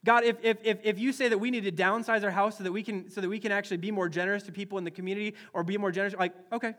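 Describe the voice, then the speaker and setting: A young man from Wisconsin preaching a sermon as a pastor, animated and acting out quoted voices with many restarts. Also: high-pitched, very fast. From Wisconsin, US Midwest.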